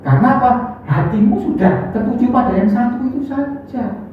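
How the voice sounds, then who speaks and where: A preacher giving an animated sermon full of rhetorical questions. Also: mid-range voice, a little fast, a little hiss or hum. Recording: echoey hall, distant dull mic.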